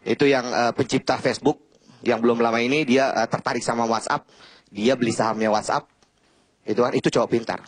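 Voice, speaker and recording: A man's voice: mid-range voice, steady tone, brisk, no room sound. A man doing a stand-up comedy set, teasing the audience in slangy talk. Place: stage before a live studio audience.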